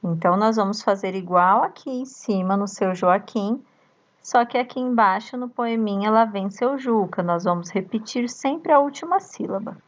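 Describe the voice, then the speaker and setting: A woman teacher with a Brazilian accent, slowly reading a workbook lesson aloud to young children and chanting the syllables. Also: medium pitch, muffled recording. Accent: Brazilian Portuguese. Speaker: primary school teacher.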